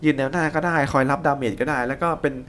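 A young man giving casual, excitable gameplay commentary and teasing his co-player. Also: mid-range voice, racing. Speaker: game commentator. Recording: faint background noise.

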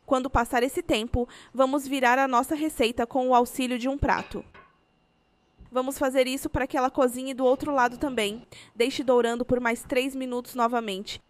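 Brazilian lady doing a recipe voiceover, kinda high voice, scripted how-to narration. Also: fairly even intonation, normal speed. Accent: Brazilian Portuguese. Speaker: recipe video host.

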